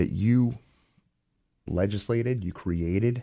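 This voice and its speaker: A man's medium-pitched, dark and mellow voice in a South Jersey accent, moderate in pace with ordinary pitch variation, dry and close with no echo on a very clean recording with a silent background. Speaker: radio host. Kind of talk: radio interview.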